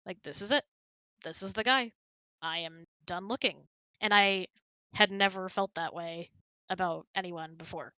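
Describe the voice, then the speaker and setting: A woman's voice: on the low side, moderate pace, sharp tone, dry recording. A woman in her thirties, giggly and chatty, hosting a casual question-and-answer hangout. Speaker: host. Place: indoors, close and dry online voice hangout.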